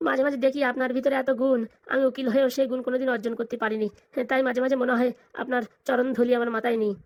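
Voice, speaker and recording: A performer voicing a fawning, flattering lawyer sidekick in a comedy cartoon, eager and colloquial. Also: sits high, rapid-fire, no echo, close to an everyday voice. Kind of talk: exaggerated cartoon comedy dialogue.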